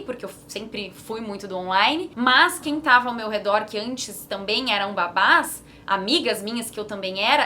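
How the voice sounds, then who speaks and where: A woman's voice: a little high, pushed and bright, slight background noise. A Brazilian woman in her thirties talking casually to camera about her work, chatty and earnest with frequent fillers. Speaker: vlogger and digital business mentor.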